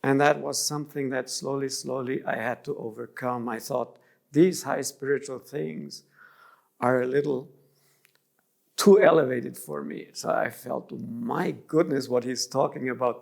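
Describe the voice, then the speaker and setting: A man's voice: medium pitch, unhurried, creaky. A middle-aged man from Germany, an interview guest speaking thoughtfully and restarting phrases mid-sentence. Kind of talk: reflective interview.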